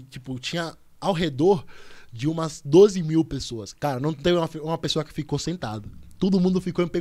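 A young man, a podcast guest telling a story in a lively, slangy way, full of restarts and repeats. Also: on the high side. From Cuba. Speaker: podcast guest, volleyball player. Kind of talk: casual storytelling chat.

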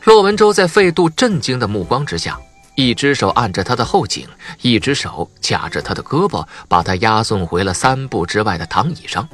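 A man's voice: medium pitch, big pitch swings, normal speed, fairly bright tone, faint music behind. A man reading a novel aloud as an audiobook narrator, in a scripted, dramatic storytelling style.

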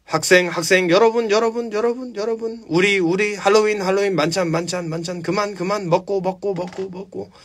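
A man's voice: high voice, steady tone, brisk, hardly any pauses. A man voicing an old male headmaster who drones and repeats each word twice. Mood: droning.

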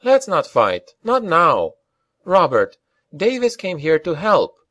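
A man's voice: on the high side, wildly swooping pitch, slow pace, a bit bright, pitched above the performer's own voice, heavily acted. A man voicing a pleading woman who tries to keep the peace, in an audiobook. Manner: pleading, earnest.

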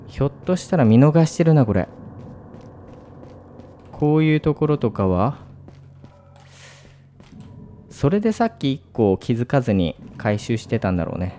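Lively man commentating a horror game. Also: mid-range voice, normal speed, slight background noise. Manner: jumpy, startled outbursts between calm muttering. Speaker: gaming video host.

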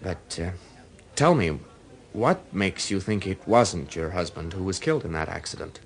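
An actor playing a celebrity's smooth, protective personal assistant in a radio drama, conversational and rather hesitant. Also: male voice, sits low, lively intonation, moderate pace. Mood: polite, puzzled.

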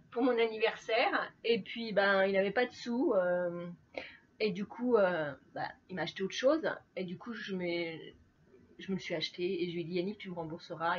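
Chatty tired middle-aged woman, beauty vlogger talking to camera at home, slightly dull recording with faint hiss. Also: medium pitch. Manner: chatty, laughing, tired, talks to viewers directly. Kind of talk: casual makeup chat to camera.

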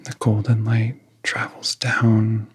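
Very breathy, hushed man, slow and low. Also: completely flat delivery. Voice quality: soft, breathy, often whispery. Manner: gentle, soothing, long pauses between phrases. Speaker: ASMR hypnosis guide. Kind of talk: soft-spoken ASMR guided relaxation.

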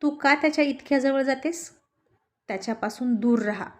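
A woman's voice: sits high, normal speed, close to an everyday voice. A woman voicing a curt, irritable young husband. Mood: angry. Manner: curt, scolding.

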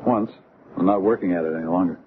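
Actor as deep-voiced, earnest doctor in radio drama. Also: male voice, fast, close to an everyday voice. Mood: casual, probing. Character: open-minded male doctor and UFO researcher, earnest, smooth-talking. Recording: muffled, noisy old radio recording.

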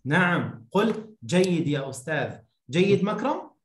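A man teaching a beginner language lesson over a video call, enunciating deliberately, prompting and repeating. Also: high-pitched, big pitch swings. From Egypt. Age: 30s. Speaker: Arabic teacher. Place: small indoor room, video call. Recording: roomy echoing online-call sound.

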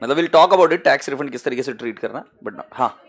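A man's voice: medium pitch, fairly quick. A man with an Indian accent teaching accounting to a live class, mixing Hindi and English and calling students "beta" fondly.

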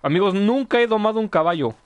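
A man's voice: high voice, animated, fast, smooth, no room sound. A man commenting live on his gameplay, chatting with viewers and yelping at mishaps. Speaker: gaming streamer.

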